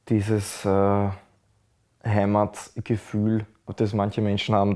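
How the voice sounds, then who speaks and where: Young austrian guy chatting, kinda flat and mellow, keeps hunting for the right word. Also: on the low side. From Burgenland, Austria. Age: young adult. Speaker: interviewee. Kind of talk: casual reflective talk.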